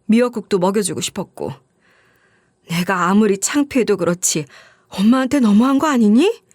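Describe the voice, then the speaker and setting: A woman playing a middle-aged widowed mother who pleads with her son and shouts at him in anger. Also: mid-range voice, animated, normal speed, no echo, studio quality, natural voice. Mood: pleading.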